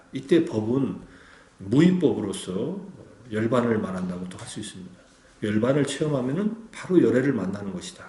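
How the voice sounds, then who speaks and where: A man's voice: on the low side, darkish tone, a little hiss or hum. A man as a Buddhist meditation teacher giving a dharma talk, explaining patiently and asking listeners rhetorical questions. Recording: roomy echo.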